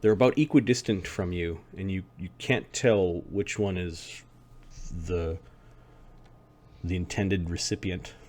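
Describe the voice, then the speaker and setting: Low-voiced man narrating a game. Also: darkish tone, a little hiss or hum. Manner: halting, searching descriptions. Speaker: game master. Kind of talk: improvised tabletop game narration.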